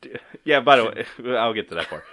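A man hosting a casual podcast, animated and quick to laugh, tripping over his words now and then. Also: medium pitch. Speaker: podcast host.

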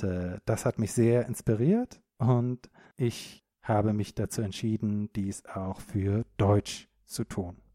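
A native German man hosting a podcast for learners, speaking clearly in an upbeat, encouraging way. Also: medium pitch, mellow, no room sound, studio quality. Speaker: podcast host and language teacher.

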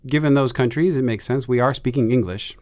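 A man's voice: mid-range voice, fairly quick, a little mellow. A man co-hosting a podcast in easygoing chat, with dry teasing. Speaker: podcast co-host. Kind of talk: casual chat.

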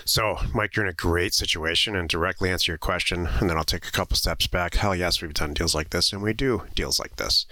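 A man's voice: deep voice, fairly quick, hardly any pauses, bright, forceful tone, no echo. An American man co-hosting a land investment show, explaining things in a casual, blunt, informal way. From western United States. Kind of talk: casual podcast talk and explanation.

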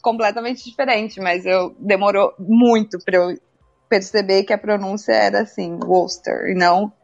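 A woman's voice: mid-range voice, steady tone, moderate pace, vocal fry, muffled recording. A Brazilian woman chatting informally as a panelist on a casual podcast. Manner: informal, conversational. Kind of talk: casual group podcast chat. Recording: music playing behind the voice. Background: background music.

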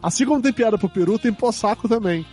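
High-voiced hoarse man, jokey podcast host. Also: dark tone, faint music behind. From Brazil. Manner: joking, quick to laugh at himself. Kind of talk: casual chat.

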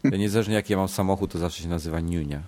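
Casting: male podcast host, low voice, nasal and congested from a cold, casual, stumbling delivery with repeats. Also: rapid-fire, mellow. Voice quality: congested, blocked-nose voice. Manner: hesitant, self-correcting, repeats words. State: sick with a stuffed nose and fever.

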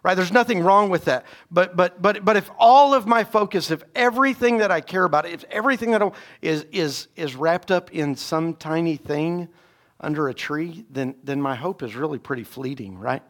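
Associate pastor, man, a bit raspy from a sore throat; conversational sermon delivery, fairly high voice, keeps checking in with "right?". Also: moderate pace, fairly bright tone. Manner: conversational preaching, frequent "right?" asides and restarts. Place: church sanctuary.

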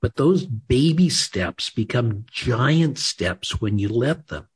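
A male interview host who speaks slowly and emphatically, with large swings between loud and soft. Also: mid-range voice, lively intonation, slight background noise. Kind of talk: interview hosting.

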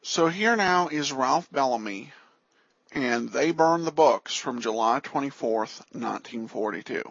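A man's voice: medium pitch, expressive, measured pace, gravelly, fairly bright tone, no room sound, dull audio. An American man hosting a podcast and introducing a program. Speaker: podcast host.

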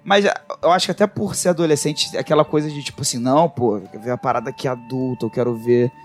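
A man with a Brazilian accent in casual, reflective podcast chat, talking informally and slangily in halting, rambling bursts. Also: medium pitch, fairly even intonation, faint music behind. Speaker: podcast co-host.

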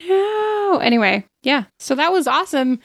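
A woman's voice: high-pitched, very animated, moderate pace, a bit bright, no room sound, clean studio sound. A woman hosting a podcast, chatting casually about a tabletop game in a giggly, enthusiastic way. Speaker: podcast host and game player.

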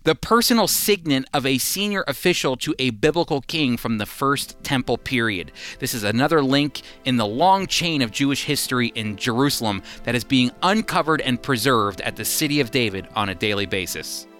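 A man's voice: mid-range voice, expressive, normal speed, few pauses, fairly bright tone, faint music behind. A man co-hosting a Christian radio program, earnest and emphatic, teaching with fillers and restarts. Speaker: radio Bible teacher, co-host.

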